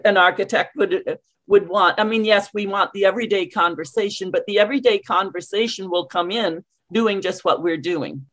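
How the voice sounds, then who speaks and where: An older Canadian woman coaching English on a video call, speaking with crisply enunciated words and an emphatic, storytelling manner. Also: medium pitch, moderate pace. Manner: warm, emphatic, storytelling, with clearly articulated words. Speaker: ESL coach.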